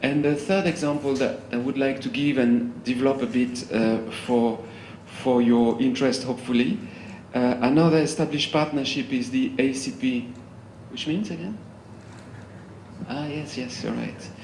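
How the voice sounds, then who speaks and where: A man speaks at a moderate pace with a medium pitch and ordinary pitch variation, leaving long, frequent pauses. Noticeable background noise and audible room echo are present. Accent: French. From France. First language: French. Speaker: EU official. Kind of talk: conference speech. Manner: halting.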